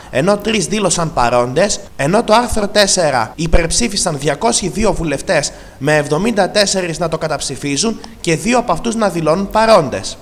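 Man, news voice-over, fairly high pitch, long reverb, steady reading. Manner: even, measured reading of vote counts and names. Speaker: news reporter. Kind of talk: scripted news narration.

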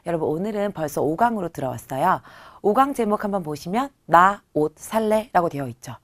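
A woman in her thirties teaching a beginner Chinese lesson, who stretches out model words slowly and says them louder for practice. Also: on the low side, lively intonation. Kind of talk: online language lesson.

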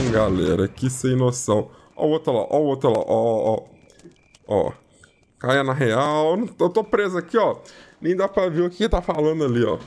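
A man giving casual, excitable commentary as he plays a video game, constantly calling out to his viewers. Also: slight background noise. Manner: chatty, repeats "ó" and "galera" constantly; lively and excitable, jumps in pitch when surprised. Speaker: gaming YouTuber.

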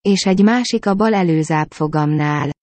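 Female audiobook narrator, low dark voice, dry close-miked read, measured with tense peaks. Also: no room sound. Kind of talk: first-person audiobook narration.

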